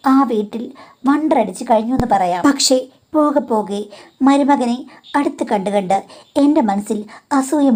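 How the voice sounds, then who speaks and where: A woman's voice: mid-range voice, warm tone. Confiding woman telling a confessional story. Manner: confiding, addresses a listener as madam. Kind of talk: first-person confessional story narration.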